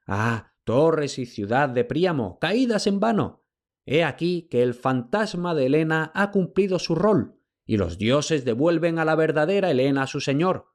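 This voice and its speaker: A man's voice: a little high, lively intonation, pitched above the performer's own voice. A man voicing a doddering, fawning old male slave who stammers and pants out his words. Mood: bewildered. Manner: breathless, stammering, slow.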